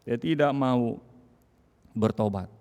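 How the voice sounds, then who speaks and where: A man preaching a sermon as pastor, dramatic, swinging from loud cries to hushed tones. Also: mid-range voice, slow pace. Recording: long hall reverb.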